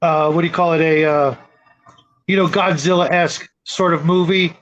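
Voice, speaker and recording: A man's voice: on the high side, steady tone, moderate pace, a bit bright. A middle-aged man hosting a casual live-stream chat, talking in a rambling, hesitant way. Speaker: show host. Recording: dull, lo-fi audio.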